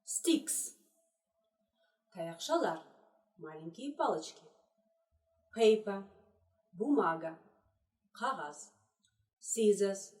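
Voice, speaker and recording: A woman teaching a children's English lesson, slowly repeating each word in three languages. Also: medium pitch, expressive, darkish tone. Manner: slow, deliberate, repeats words in three languages. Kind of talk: trilingual video lesson for children. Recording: echoey room, voice distant from mic.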